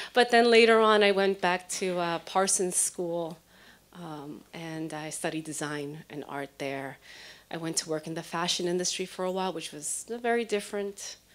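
A woman with a New York accent talks at a moderate pace in a fairly low pitch. Her pitch varies in an ordinary way, while her loudness swings widely. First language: Spanish. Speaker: artist; panelist, poet. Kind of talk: panel presentation. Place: hall. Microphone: handheld.

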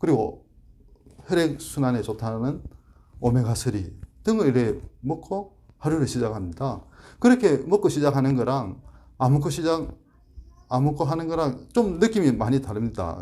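A man's fairly high voice with a dark, mellow tone, very wide pitch swings, a moderate pace and long, frequent pauses. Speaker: YouTuber giving life advice. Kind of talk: monologue talk to camera. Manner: conversational, rhetorical questions.

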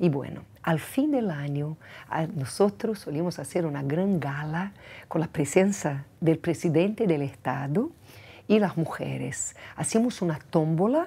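A woman with a dark, mellow tone and a somewhat breathy voice speaks at a fairly slow pace and fairly low pitch, with lively intonation. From Brazil, Rio de Janeiro. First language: Portuguese (speaking Spanish). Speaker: diplomat's wife; guest. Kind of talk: interview storytelling. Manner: halting. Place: studio. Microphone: lapel.

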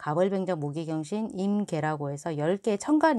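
A woman with a dark, mellow tone speaks with lively intonation against a quiet background. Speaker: fortune teller. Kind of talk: monthly horoscope talk. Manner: polite formal.

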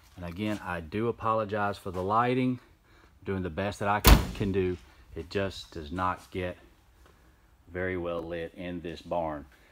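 Noticeable background noise sits behind a man with a very deep, low pitch. He speaks at a fairly slow pace with ordinary pitch variation and big swings in loudness. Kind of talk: casual walkthrough commentary. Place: garage. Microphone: phone near.

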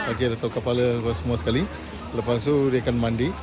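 At a fairly quick pace, a man talks in a medium pitch with fairly even intonation, and there is noticeable background noise. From Malaysia, Negeri Sembilan (Tampin). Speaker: street interviewee. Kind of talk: street interview. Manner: halting, many fillers.

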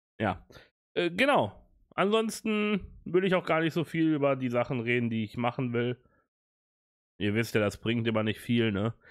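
On a very clean recording with a silent background, a man at medium pitch speaks fairly slowly, pausing long and often, his pitch swinging very widely. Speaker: YouTuber. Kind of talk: casual vlog talk to viewers. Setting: at home. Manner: hesitant, many filler sounds.

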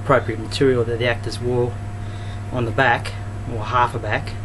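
A man talks at a moderate pace in a monotone, flat intonation. Noticeable background noise is present. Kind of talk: casual vlog chat. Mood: pleased, grateful. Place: garden. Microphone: phone near.

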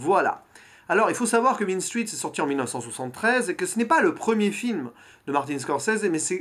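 Lively intonation runs through this man's speech at a fairly quick pace. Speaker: film reviewer, YouTuber; film reviewer. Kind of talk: unscripted monologue to camera. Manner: halting, with stumbles and fillers. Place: home room. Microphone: phone near.

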